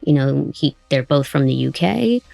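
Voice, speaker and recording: A woman's voice: extremely low pitch, animated, normal speed, vocal fry, mellow, no echo. A woman hosting a casual interview, conversational and attentive as she asks questions and comments. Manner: conversational, attentive, with brief acknowledgements. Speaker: interviewer and writer of an audio drama. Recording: close dry sound with music behind. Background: background music.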